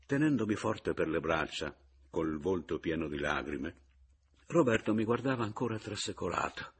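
A man reading a novel aloud in an expressive, dramatic first-person narration. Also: deep voice, normal speed, husky. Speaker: audiobook reader. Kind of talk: literary audiobook narration.

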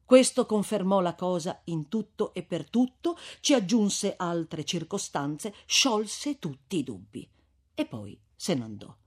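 A man reading a classic novel aloud in expressive storytelling narration. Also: high voice, slow pace. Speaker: reader.

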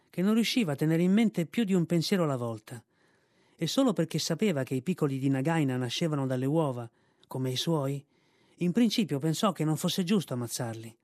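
Man reading a story aloud, measured. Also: fairly high pitch, darkish tone, dry recording. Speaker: reader. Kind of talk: scripted audiobook narration.

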